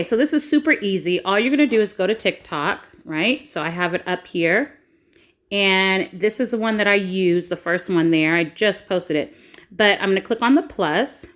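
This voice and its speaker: A woman giving a casual social media tutorial in a playful, chatty, informal way. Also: medium pitch.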